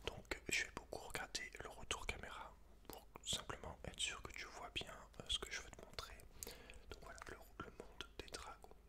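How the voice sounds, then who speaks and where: Male ASMR host: whispered, unhurried delivery, hushed and intimate, chatting and reading to one person. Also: extremely high pitch. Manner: soft, hushed, intimate address to one listener.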